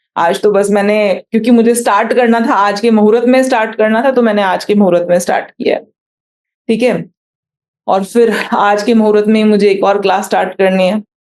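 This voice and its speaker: The speaker moves at a moderate pace with monotone, flat intonation. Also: woman. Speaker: astrology teacher. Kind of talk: online class lecture. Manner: hesitant fillers.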